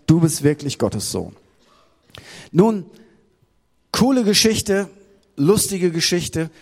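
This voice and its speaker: A pastor from Germany preaching a sermon, retelling a story with lively acted-out voices. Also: male voice, fairly high pitch. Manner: animated storytelling, acting out the disciples' voices. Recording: hall with long reverb.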